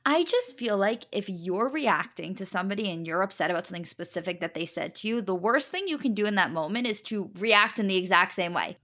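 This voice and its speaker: A woman's voice: medium pitch, lively intonation, brisk, hardly any pauses, bright, forceful tone. A woman co-hosting a podcast, giving opinions in casual chat with emphatic rhetorical questions. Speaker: podcast co-host.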